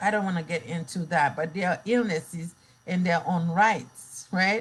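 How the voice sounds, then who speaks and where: A woman talks at a moderate pace with a fairly low pitch and ordinary pitch variation. Her voice is somewhat breathy. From Haiti. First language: Haitian Creole. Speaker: mental health therapist. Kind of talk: live stream talk. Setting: social media live video. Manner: halting, many fillers.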